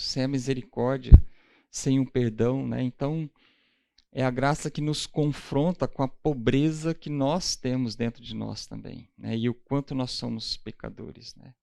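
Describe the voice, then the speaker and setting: A man's voice: mid-range voice, vocal fry, a little mellow, no room sound, studio quality. A man with a Brazilian Portuguese accent teaching a Bible class in a conversational way, often checking in with his listeners. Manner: conversational, often adds the tag question "né?"; asks the class questions directly.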